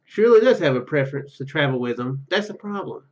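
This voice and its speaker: A man's voice: on the high side, expressive, fast, dull audio. A man hosting a gaming video, reading game text aloud and commenting as he plays.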